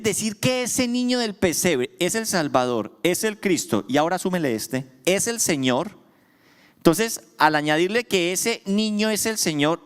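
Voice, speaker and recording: Male pastor, sermon, lively swooping delivery, call-and-response, echoing church hall. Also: on the high side. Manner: asks the congregation questions, answers himself emphatically. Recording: long church hall reverb.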